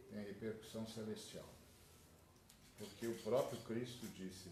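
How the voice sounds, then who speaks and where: A man speaking as a pastor, addressing a group in measured, preaching phrases with pauses. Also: lowish voice. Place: indoor room. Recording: echoey room, faint noise.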